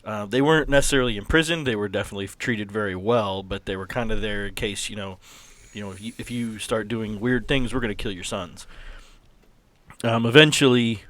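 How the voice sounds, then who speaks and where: Low-pitched man, halting explainer. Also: a bit bright. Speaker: podcast guest introducing his game character. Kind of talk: casual explanatory chat.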